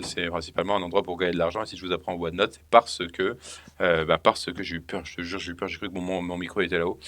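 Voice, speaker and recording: A man giving a casual, rambling software tutorial, thinking aloud with lots of fillers. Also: deep voice. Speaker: software trainer. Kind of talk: casual screen-recorded tutorial.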